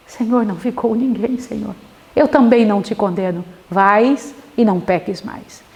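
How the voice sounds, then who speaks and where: High, animated woman preaching. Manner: dramatic storytelling, questions to listeners. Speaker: Bible study teacher. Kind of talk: devotional Bible study sermon.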